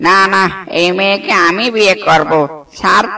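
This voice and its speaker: High-pitched goofy cartoon bridegroom voiced by a man. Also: steady tone, moderate pace, creaky, bright, forceful tone, far from the mic, heavily acted. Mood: excited, gleeful. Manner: goofy, exaggerated. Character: silly, eager, naive young bird bridegroom. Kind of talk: exaggerated cartoon acting.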